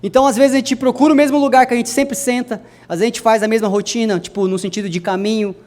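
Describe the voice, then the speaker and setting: A young adult man preaching a sermon to a congregation, speaking to them directly and swinging his voice from soft to loud. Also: steady tone, fast. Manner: addresses the congregation directly, wide swings in pitch and loudness.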